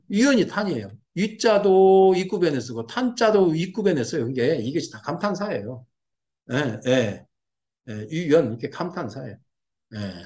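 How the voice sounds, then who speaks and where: A middle-aged man giving an explanatory lecture on old texts, repeating each term and acting out reactions in lively asides. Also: sits high. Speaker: lecturer on classical fortune-telling texts. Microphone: seen on camera.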